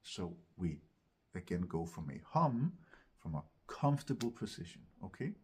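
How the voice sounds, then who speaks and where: A man teaching vocal technique in an instructional video, explaining gently step by step and often checking in. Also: deep voice, sing-song, moderate pace, husky. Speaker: vocal coach, host of a tutorial series.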